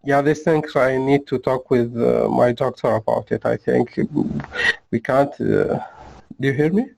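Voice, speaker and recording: Guy in his 30s, slow halting english over a video call, gravelly voice. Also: mid-range voice, steady tone, a little mellow, poor audio. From Syria. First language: Arabic. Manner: hesitant, halting, searching for words. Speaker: interviewee.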